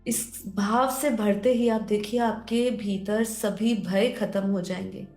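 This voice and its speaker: A woman guides a meditation in a soft-toned, mellow voice, speaking very slowly and repeating phrases as she gently instructs. Her delivery stays quite even in pitch. The voice carries a roomy echo. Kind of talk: guided meditation, spiritual teaching. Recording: roomy echo under background music. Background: music.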